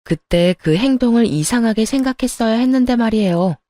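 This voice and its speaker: A woman narrating a first-person radio story in a calm, firm manner, also speaking the wife's lines. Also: on the high side, a little fast, no room sound, clean studio sound.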